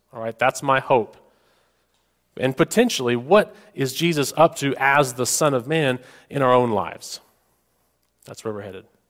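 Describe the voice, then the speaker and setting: A Southern US accent at a moderate pace, with ordinary pitch variation, big swings in loudness, and long, frequent pauses, on a very clean recording with a silent background. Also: man, medium pitch for a man. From Arkansas, US South. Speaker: pastor. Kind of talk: sermon. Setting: church.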